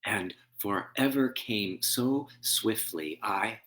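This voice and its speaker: Deep-voiced, slow-speaking man. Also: fairly bright tone. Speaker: minister. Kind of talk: informal spoken introduction and poetry reading.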